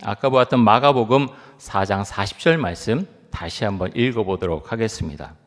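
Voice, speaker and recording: Man preaching in a reverberant church hall. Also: fairly low pitch. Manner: poses rhetorical questions to the congregation; reads scripture aloud slowly and deliberately. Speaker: pastor. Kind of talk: sermon. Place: church sanctuary.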